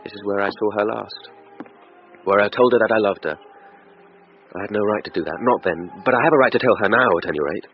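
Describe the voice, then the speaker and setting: An actor playing a nervous young lovesick suitor. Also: male voice, on the low side, fairly quick, lightly acted. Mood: anxious. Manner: anxious inner monologue, wavering between hope and dread. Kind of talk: radio drama acting. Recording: dull lo-fi radio broadcast with music behind.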